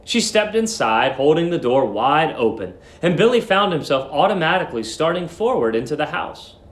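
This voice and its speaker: A man giving a dramatic narration of a story, theatrical and deliberate in his emphasis. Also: on the high side, very animated, echoey room.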